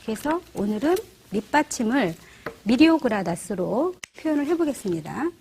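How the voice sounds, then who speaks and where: A middle-aged woman teaching church flower arranging, explaining each step gently and often asking the viewer rhetorical questions. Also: a little high, big pitch swings, moderate pace, creaky, slight background noise. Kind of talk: instructional demonstration.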